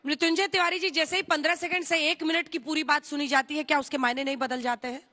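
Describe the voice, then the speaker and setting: Brisk woman anchoring a debate. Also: sits high, fairly even intonation, bright, forceful tone. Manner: brisk, cuts in to steer speakers. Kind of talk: moderating a TV debate.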